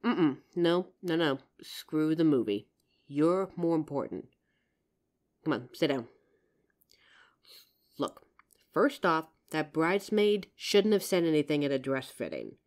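A woman's voice: low-pitched, expressive, slow pace, long pauses, a little mellow. A woman playing a loving, protective girlfriend in an intimate comfort roleplay, tender and earnest with some teasing. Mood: firm, comforting. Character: loving, protective girlfriend reassuring her partner. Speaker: audio roleplay performer.

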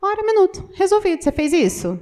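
A Brazilian woman voicing a deaf pastor's sermon in an animated way, asking the audience many questions and acting out what people say. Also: extremely high pitch, fast. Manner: acts out quoted everyday voices. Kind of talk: interpreted sermon.

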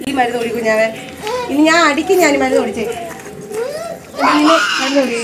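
High-voiced mother coaxing a child. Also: normal speed, far from the mic, a crowd in the background. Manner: coaxing and scolding a small child. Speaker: mother and vlogger. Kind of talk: casual home vlog. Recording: loud background noise.

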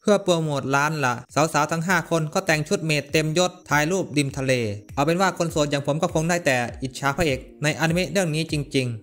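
A man casually recapping an anime's plot, with brisk, chatty, slangy asides. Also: a little high, a bit bright.

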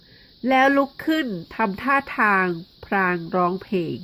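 Chatty woman reading a children's book aloud, with rambling asides. Mid-pitched voice. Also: unhurried, bright, forceful tone. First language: Thai. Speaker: online reader.

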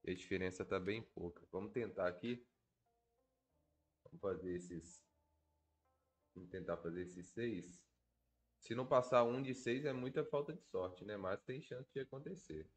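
A man's voice: fairly low pitch, normal speed, pauses often, husky, faint music behind. A Brazilian man with a stuffy, congested nose from a cold, thinking aloud in casual, slangy gameplay commentary. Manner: informal, slangy, swearing. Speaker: gaming video creator.

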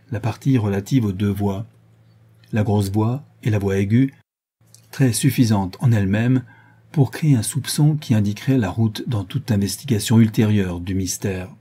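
A man reading an audiobook, voicing a young gentleman detective who lays out his reasoning in a calm, measured, lecturing way. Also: on the low side, breathy edge. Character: young male gentleman detective, cool and methodical.

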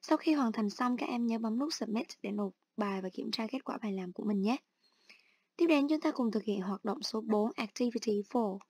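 A woman teacher calmly explaining an online English exercise step by step. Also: a little high, normal speed, husky, dry recording. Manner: steady instructional, explains each step. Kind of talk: online lesson narration.

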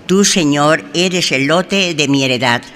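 A man's voice: a little high, a little slow, sharp tone, a little hiss or hum. A man reading the Scripture lesson and the responsorial psalm aloud at Mass in a formal, declaiming way, in a large church. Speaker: lector. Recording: church reverb with faint ambience.

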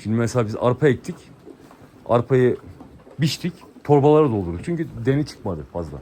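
A man's voice: medium pitch, sing-song, fairly quick, dark tone, slight background noise. A man casually chatting to viewers in a vlog, talking fondly to his animals outdoors by a livestock pen. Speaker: vlogger raising lambs.

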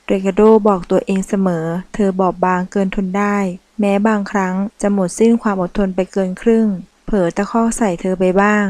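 A woman narrating a romance novel as an audiobook, reading in a slow, measured way. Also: medium pitch, warm tone, dry recording, poor audio.

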